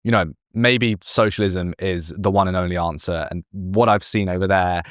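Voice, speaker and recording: A man with a fairly low voice chats as an interviewer on a podcast. He is informal, sweary and self-deprecating, and the sound is close and dry. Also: fairly even intonation, normal speed, fairly bright tone, no echo. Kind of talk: casual conversational interview.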